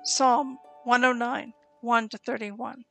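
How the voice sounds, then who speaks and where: A woman giving a slow, solemn reading of scripture, with deliberate pauses between phrases. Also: fairly high pitch, little pitch movement, gravelly, rough recording. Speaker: scripture reader. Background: soft instrumental music.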